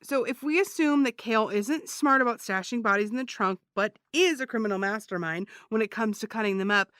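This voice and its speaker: A woman's voice: a little high, a little fast, a bit bright, no echo, studio quality, lightly acted. A woman playing a wry, theatrical podcast host who investigates a crime in an audio drama.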